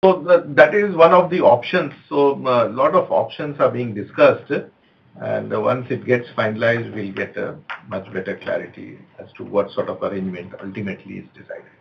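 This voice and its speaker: An Indian-accented man, a company executive answering analysts on an earnings call in a measured, halting way. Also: mid-range voice, fairly even intonation, gravelly. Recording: dull, lo-fi conference call.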